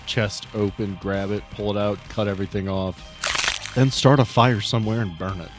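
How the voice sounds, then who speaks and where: Low-pitched man running a tabletop game. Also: steady tone, moderate pace, over music. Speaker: game master. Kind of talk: narrating a tabletop horror game.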